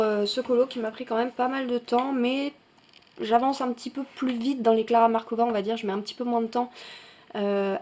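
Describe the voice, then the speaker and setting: A woman's voice: a little high, darkish tone. A woman hosting a coloring channel, talking casually through her finished pages with frequent fillers and self-corrections. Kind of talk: casual show-and-tell vlog.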